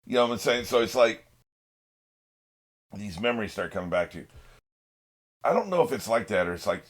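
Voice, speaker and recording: Male reaction host, low register, informal and unscripted, thinks out loud, salty language. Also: expressive, fairly quick, breathy edge. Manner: informal, swearing, musing. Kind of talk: casual off-the-cuff reaction commentary.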